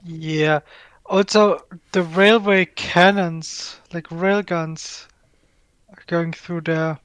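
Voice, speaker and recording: A man with a high, smooth and clear voice. He banters casually as a panelist, and the sound is dry and close. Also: fairly even intonation, very slow, a bit bright, no echo.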